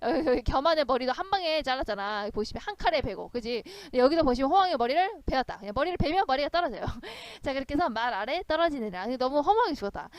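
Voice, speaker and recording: A woman's voice: high voice, sing-song, fast talker, few pauses. A woman teaching a classic novel for an exam, acting out its lines in voices and often laughing. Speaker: literature tutor. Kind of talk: exam literature lecture.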